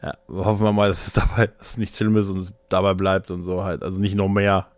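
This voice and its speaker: A man's voice: low-pitched, level tone, fast, no echo. A man in a casual, joking, colloquial podcast chat, telling anecdotes. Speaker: podcast host.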